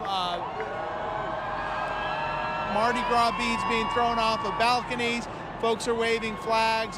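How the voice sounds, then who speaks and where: A man reporting live from a parade on a city street, gushing and projecting. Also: high-pitched. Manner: gushing, projecting over the crowd. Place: outdoors on a packed city street. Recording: loud crowd and street noise.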